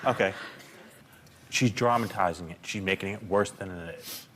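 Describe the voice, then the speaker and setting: A man, an adult son on a talk show, defending himself and arguing back with halting restarts. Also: low voice, a bit bright, a little hiss or hum. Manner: defensive, argumentative, hesitant restarts. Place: TV studio.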